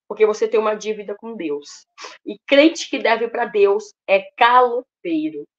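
A Brazilian woman shares her personal conversion testimony in an emotional, storytelling manner, often turning to address her listeners directly. The recording sounds somewhat dull and lo-fi. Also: medium pitch. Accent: Brazilian Portuguese. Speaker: testimony speaker at a ministry.

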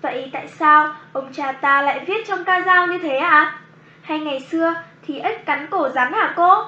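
A very high, bright small child pupil, curious and excitable. The cartoon voice is chirpy and polite, with a roomy, dull sound. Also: female voice, moderate pace. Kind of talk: children's educational cartoon dialogue.

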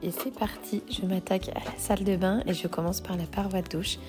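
A woman's voice: mid-range voice, fairly even intonation, a little fast. A woman in her thirties, a home cleaning vlogger, chatting casually and walking through her chores step by step. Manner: chatty, self-motivating, explains step by step. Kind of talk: casual vlog narration. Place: large modern home interior. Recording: echoey room, faint background music.

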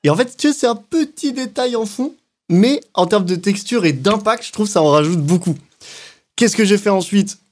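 A man giving a relaxed, slangy walkthrough of how he built a beat, now and then mouthing sounds and rhythms. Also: high-pitched, fairly quick, faint music behind. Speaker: music producer. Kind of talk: casual beatmaking walkthrough. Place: home studio.

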